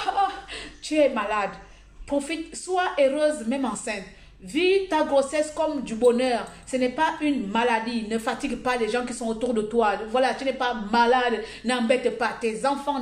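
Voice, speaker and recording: Blunt, humorous woman in an echoey room. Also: a little high. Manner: blunt, humorous, animated storytelling. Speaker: lifestyle vlogger giving advice. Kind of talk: casual monologue to camera.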